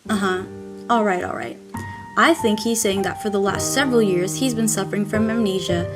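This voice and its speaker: A woman's voice: medium pitch, natural voice. A woman playing an eager, naive young volunteer in an amateur theater skit, speaking earnestly.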